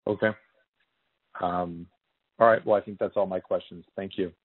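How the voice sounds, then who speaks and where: A man speaks in a deep, level voice over a dry, narrow phone line. He is an analyst posing questions casually on a company call. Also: steady tone, moderate pace, husky, no echo. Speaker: analyst caller.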